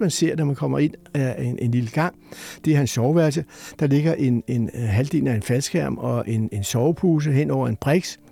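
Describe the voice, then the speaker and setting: A man's voice: fairly high pitch, gravelly. An older man telling a personal story in a casual way, acting out the voices of the people he quotes. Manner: lively storyteller who acts out quoted voices. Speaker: storyteller guest.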